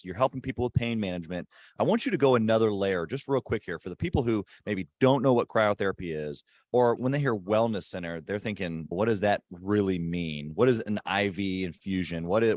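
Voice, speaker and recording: Male podcast host, deep and low, punchy delivery kept hushed, very dry sound. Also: no echo. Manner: emphatic, hyped-up, kept quiet in a public spot. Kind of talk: casual interview chat. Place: airport.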